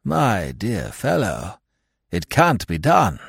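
A man's voice: fairly high pitch, sing-song, unhurried, creaky, dry recording, studio quality, voice pushed up, full character voice. A man voicing a dreamy, benevolent elderly lord in an audiobook, murmuring absent-mindedly and repeating himself. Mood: absent, bewildered. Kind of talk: comic novel audiobook character voice.

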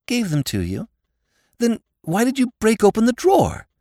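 An earnest young woman pleads and coaxes in a raised voice, as a reader puts her on. Her pitch rises and falls widely, and the recording is dry. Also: wildly swooping pitch, moderate pace, mellow, dry recording. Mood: pleading. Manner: pleading, soothing. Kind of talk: audiobook character voice.

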